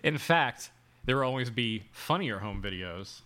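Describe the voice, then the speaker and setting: A man with a bright, forward voice at an average pitch co-hosts a casual podcast. He talks in a wry, rambling way, explaining things as he goes. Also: animated, unhurried. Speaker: podcast co-host. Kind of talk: casual comedic chat.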